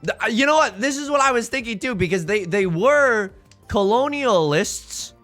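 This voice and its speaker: A man streaming live, chatting casually with viewers in an animated, jokey way, often restarting and repeating his words. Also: extremely high pitch, moderate pace, faint music behind.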